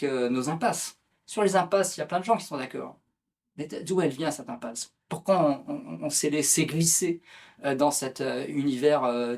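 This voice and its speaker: Guy chatting in an interview, husky voice, lots of euhs and restarts. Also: medium pitch. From France. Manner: hesitant, many fillers and restarts. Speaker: author and political activist, interview guest. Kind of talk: conversational interview.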